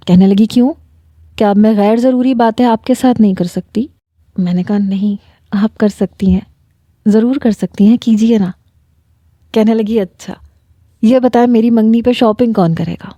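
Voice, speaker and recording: A woman's voice: medium pitch, dark tone, no room sound. A woman with a Pakistani Urdu accent reads a first-person romance story aloud, voicing a young man and his fiancée in the same voice. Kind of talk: scripted narration.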